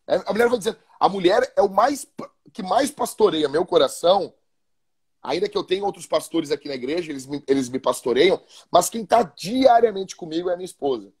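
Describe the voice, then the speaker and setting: Husky, high-voiced pastor. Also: male voice, fairly quick. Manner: animated, colloquial, repeats and restarts words. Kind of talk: casual podcast talk about marriage.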